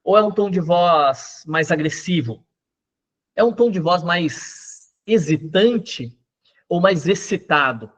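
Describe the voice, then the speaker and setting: A man teaching a class on body language, explaining step by step with lists of examples and quick checks with his listeners. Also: on the high side. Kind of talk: recorded class lecture.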